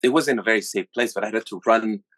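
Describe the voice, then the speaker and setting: A man in his thirties from the USA, talking in a relaxed conversational way, pausing often with fillers and restarts as he searches for words. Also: lowish voice, dry recording. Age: 30s. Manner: hesitant, many fillers and restarts. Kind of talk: casual conversational chat.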